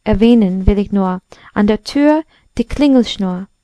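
A woman's voice: medium pitch, a little slow, dark tone, dry recording, lightly acted. Woman doing a vain old candlestick. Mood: proud. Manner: self-important storyteller. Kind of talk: storybook reading.

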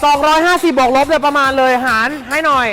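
A live-stream seller giving a fast, hyped sales pitch for second-hand clothing, chatty and persuasive, repeating phrases for emphasis. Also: sharp tone, soft background music.

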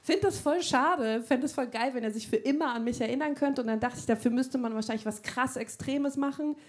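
A young woman working a live comedy crowd with a high, bright voice. She is brash and unfiltered and keeps laughing at her own jokes. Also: a little fast. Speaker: stand-up comedian. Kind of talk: stand-up comedy set. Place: comedy club stage with live audience.

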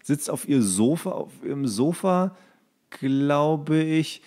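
A man's voice: fairly high pitch, animated, slow pace, a little mellow. Rambling man chatting on a podcast. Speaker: podcast co-host. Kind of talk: casual chat.

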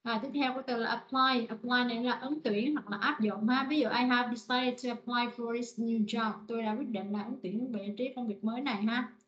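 A woman teaching an online vocabulary lesson, repeating words slowly and explaining in short phrases. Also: a little high, fairly even intonation, a bit bright, highs cut off. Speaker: English teacher.

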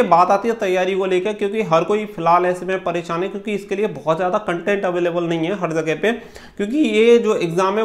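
Male exam coach, thirties, high-pitched voice, instructional delivery with English words mixed in. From India. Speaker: exam-prep coach and channel host. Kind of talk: explanatory talk to camera for exam candidates. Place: small room indoors.

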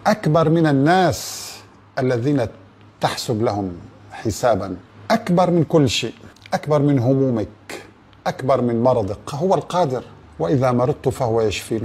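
A man's voice: medium pitch, a little mellow, husky. A man giving a religious talk in an earnest way, asking rhetorical questions and speaking straight to the listener.

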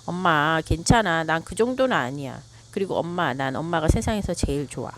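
A woman's voice: sits low, animated, brisk, slight background noise. A woman reading aloud as a young child who is upset and pleading with a plaintive voice. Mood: comforted.

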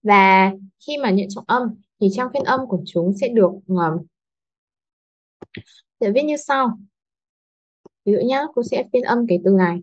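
A young woman teacher leads pupils through a lesson in an even, mid-pitched voice. She explains patiently, step by step, and keeps checking that they follow. The recording sounds a little dull and lo-fi. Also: measured pace, long pauses. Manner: patient, explains step by step, asks "đúng không". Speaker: English teacher. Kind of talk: online lesson for schoolchildren.

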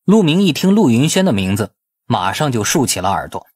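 A man's voice: medium pitch, very animated, fairly quick, darkish tone, breathy edge, no echo, studio quality. A man narrating an audiobook as dramatic scripted storytelling.

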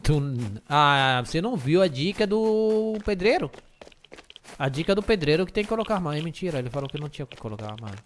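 A man with an Algerian accent commentates his gameplay on a gaming mic, loud and excitable, often shouting. His voice sits a little high and swings widely. A faint hiss sits under the recording. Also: fast talker. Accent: Algerian, Arabic and French mix. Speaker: gaming YouTuber. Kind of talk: let's play commentary.

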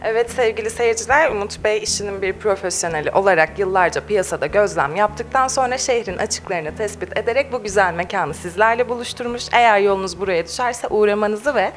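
A young woman working as a TV reporter, delivering polished scripted questions into a handheld mic in a small cafe. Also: medium pitch. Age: young adult. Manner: fast, polished presenter delivery. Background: faint music.

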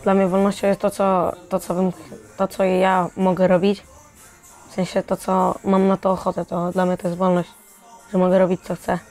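Monotone woman, fairly low. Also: moderate pace, soft background music. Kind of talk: informal personal answer.

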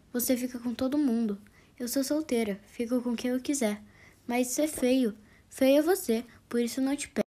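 A woman reading out comic chat exchanges, voicing both sides with quick, deadpan delivery. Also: fairly high pitch. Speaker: narrator reading chat jokes.

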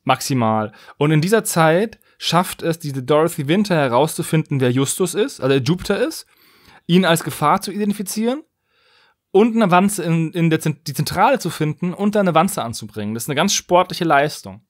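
A man co-hosting a podcast in casual review chat, opinionated and quick to argue a point. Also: fairly high pitch, lively intonation, dry recording, clean studio sound. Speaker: podcast host. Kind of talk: casual review chat about audio dramas.

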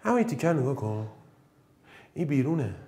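A man from Iran teaching an exam-prep math lesson, joking and swinging between loud bursts and low muttering. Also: big pitch swings.

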